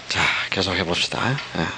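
A man preaching a sermon, asking the congregation constant rhetorical questions and dropping from loud emphasis to hushed asides. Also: low-pitched, background noise. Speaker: pastor.

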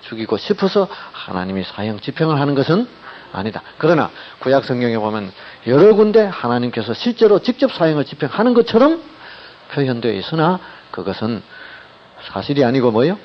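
A man's voice: mid-range voice, sing-song, fairly quick, muffled recording. A male pastor giving a sermon, reading scripture aloud with drama and asking the congregation questions.

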